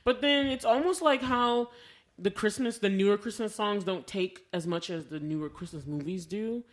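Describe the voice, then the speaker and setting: A woman's voice: mid-range voice, normal speed. A woman co-hosting a podcast, chatting casually and expressively with conversational asides. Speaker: podcast co-host reviewing films.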